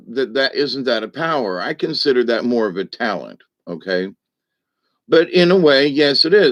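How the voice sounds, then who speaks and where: Playing a shaman on his livestream, this man has a mid-range, fairly bright voice captured with lo-fi sound. His spiritual talk wanders in a folksy way, full of side comments aimed at the people watching.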